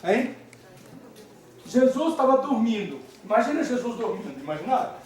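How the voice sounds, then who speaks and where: A man giving a religious lecture, animated, constantly questioning the audience in a hall. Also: very high voice, moderate pace. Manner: animated, keeps quizzing the audience. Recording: echoey hall, speaker far from mic.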